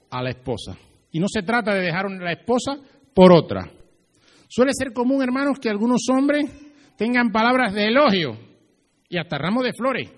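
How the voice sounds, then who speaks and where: A male pastor giving a lively sermon, acting out little scenes as he preaches. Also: sits high, long reverb tail.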